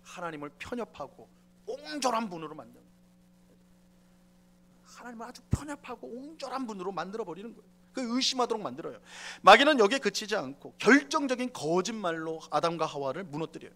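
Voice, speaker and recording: A male pastor preaching a Sunday sermon in a church, explaining in plain terms and shifting between emphatic, louder stretches and quiet asides. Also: high voice, very animated, fast. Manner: explanatory, rising to emphatic then dropping soft. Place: church sanctuary.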